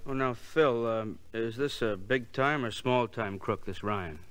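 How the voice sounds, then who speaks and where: An actor playing an easygoing police sergeant in old radio drama, with a casual, hesitant, folksy way of talking. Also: male voice, medium pitch, measured pace, fairly bright tone, natural voice. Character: easygoing male police sergeant at records desk. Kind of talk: old-time radio acting. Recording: old radio recording, faint noise.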